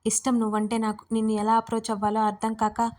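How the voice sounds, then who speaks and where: A nervous, deceitful young man pleads and dodges, as a woman reader speaks his lines. The voice stays fairly high and even in pitch, told as a storybook drama. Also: quick pace, lightly acted. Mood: pleading. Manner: evasive, pleading.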